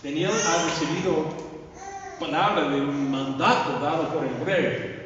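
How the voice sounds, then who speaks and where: Man preaching in shaky second-language spanish, slow, sounds far off in a big echoey church. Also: a little high, noisy background. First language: English. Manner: unhurried, halting Spanish with English fillers. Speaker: pastor. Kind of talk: sermon. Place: large church sanctuary. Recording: echoey, distant, muffled church livestream.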